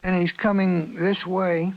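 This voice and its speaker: An actor playing a timid, bashful male passenger in a 1950s radio drama, speaking softly and hesitantly. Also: high-pitched, level tone, measured pace. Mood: hushed, startled. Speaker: lead actor. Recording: muffled old 1950s radio broadcast.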